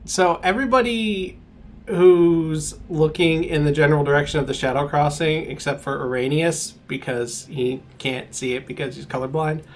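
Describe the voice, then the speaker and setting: A man's voice: on the high side, fairly even intonation, moderate pace, a little hiss or hum. Man casually running a tabletop game. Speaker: game master.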